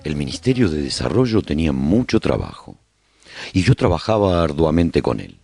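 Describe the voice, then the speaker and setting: A man's voice: very deep voice, sing-song, normal speed, gravelly, a little mellow, soft background music. A man with a Spanish accent narrating a radio serial in the first person, telling the story as a survivor speaking to listeners.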